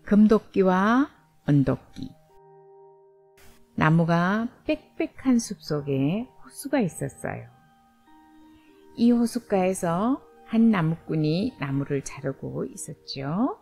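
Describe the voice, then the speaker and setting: A woman's voice: fairly low pitch, big pitch swings, slow, creaky, a little mellow, soft background music. A woman storyteller narrating a bedtime storybook, reading expressively and simply as if to a toddler.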